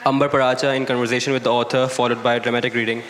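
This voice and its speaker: Fast, even-toned male event announcer. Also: medium pitch. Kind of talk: formal live event introduction. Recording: faint background noise, live venue ambience.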